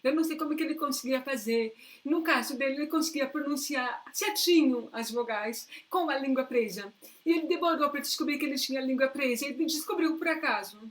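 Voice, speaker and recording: A woman's voice: high-pitched, brisk, hardly any pauses. A woman with a Brazilian Portuguese accent hosting a live interview over a video call, chatting and passing along viewer comments. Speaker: host.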